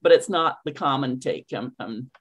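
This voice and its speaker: An older Canadian woman coaching English on a video call, speaking with crisply enunciated words and an emphatic, storytelling manner. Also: a bass voice, normal speed. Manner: warm, emphatic, storytelling, with clearly articulated words. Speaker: ESL coach.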